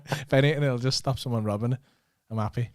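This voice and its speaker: A man hosts a podcast and jokes with his guest, swearing freely and laughing often. His voice sits at an ordinary middle pitch. The sound is close and dry, with no room echo. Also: steady tone, fast. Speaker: podcast host. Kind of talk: casual banter.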